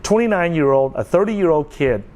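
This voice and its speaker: A man's voice: fairly high pitch, lively intonation, moderate pace, darkish tone. Earnest man in his forties. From United States. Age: 40s. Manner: earnest, repeats points, checks in with okay. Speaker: vlogger. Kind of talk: casual talk to camera.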